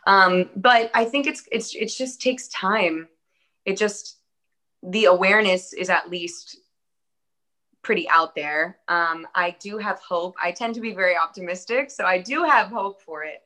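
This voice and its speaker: Born in Atlanta, Georgia, US, and raised with Spanish as her first language, this early-30s actress talks in an optimistic, earnest, casual way during an interview, saying "um" and "I think" often. Her voice is medium-pitched, bright, and forceful, at a measured pace.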